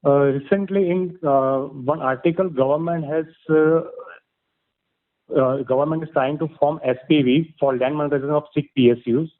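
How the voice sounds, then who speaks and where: A man with an Indian accent asking questions as a caller, halting and repeating himself. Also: a little high, steady tone. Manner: halting, repetitive. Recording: choppy, crackly phone line.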